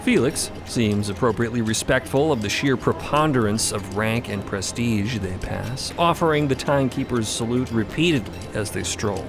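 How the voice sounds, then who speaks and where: A man's voice: mid-range voice, normal speed, few pauses. A man narrating a scripted audio drama as a storyteller. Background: music bed.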